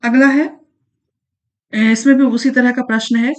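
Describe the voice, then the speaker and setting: A woman teaching an exam-prep grammar lesson in a casual way, repeating key points and often pausing on fillers. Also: fairly high pitch, fairly even intonation. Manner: repeats points, frequent fillers and "ठीक है, याद रखिएगा".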